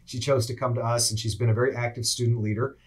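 A man's voice: mid-range voice, little pitch movement, fast, breathy edge. Man hosting a university podcast. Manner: warm, enthusiastic introductions with fillers. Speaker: podcast host, assistant dean. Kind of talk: podcast interview.

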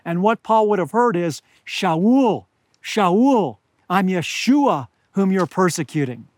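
A high-voiced older man preaches outdoors, his voice a little hoarse and scratchy. He speaks earnestly and deliberately, slowing to press home important words, and the sound is dry and close with little reverb. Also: lively intonation. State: slightly hoarse. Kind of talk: outdoor sermon. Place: outdoors among pine trees at high altitude.

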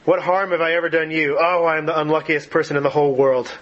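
A man's voice: sits high, expressive, fairly quick, husky, highs cut off, pitched above the performer's own voice. A man voicing a frightened young boy while reading a story aloud, his voice pleading and fearful.

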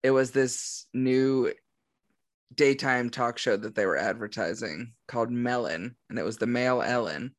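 A young man co-hosting a podcast, joking through quick, casual banter over a call. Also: medium pitch, no echo. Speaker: podcast co-host. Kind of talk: casual chat.

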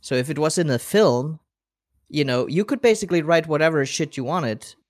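A man's voice: on the high side, animated, moderate pace, no echo, clean studio sound. A man co-hosting a casual podcast chat, rambling and hesitant with frequent restarts. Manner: rambling, hesitant, many fillers and restarts, laughs often.

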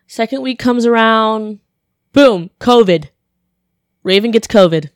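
A young woman, a college student, telling a story in casual chat, her voice deeper than usual and a bit congested, with lots of "like" and acted-out quotes. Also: slow, smooth, dry recording, studio quality. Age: young adult. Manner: chatty, animated, lots of "like", acts out quotes.

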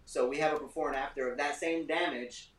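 A man's voice: a little high, steady tone, brisk, fairly bright tone, far from the mic. A man, a repair tech guest, talking eagerly in a casual podcast chat and checking that he is understood. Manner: eager, keeps checking in with "you know what I mean". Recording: roomy, off-mic, faint hiss.

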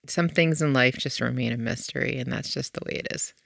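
Brief: female podcast co-host, gravelly lower voice, playful and teasing, dry sound. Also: brisk, fairly bright tone, no room sound. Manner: teasing, laughs easily. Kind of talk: casual chat.

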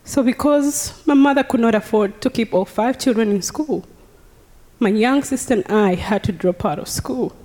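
A woman's voice: on the high side, normal speed, darkish tone. A young Ugandan woman with a Ugandan accent giving her personal testimony to a congregation, earnest and speaking straight to the audience. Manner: earnest, engaging the audience directly. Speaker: guest speaker. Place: church sanctuary. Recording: reverberant church hall.

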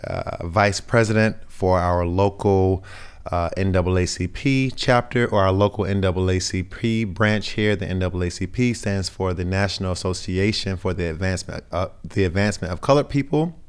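A young man with a raspy voice from a sinus infection, talking earnestly and carefully as an interview guest, with frequent fillers and restarts. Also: low-pitched, moderate pace. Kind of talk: casual conversational interview.

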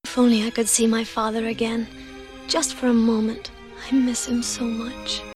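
A soft, sorrowful young princess, played by a woman, speaks of missing her father in a film clip. Her voice sits fairly high but stays level and even, with gentle music behind her. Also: normal speed, close to an everyday voice. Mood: wistful.

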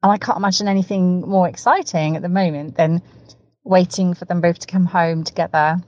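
A woman's voice: on the low side, fairly even intonation, fairly quick, a little mellow, no room sound, dull audio. A woman with a cold, talking in an eager, rambling way and piling up words for emphasis, recorded in a parked car. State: has a cold. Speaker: podcast co-host. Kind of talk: recorded voice message, casual.

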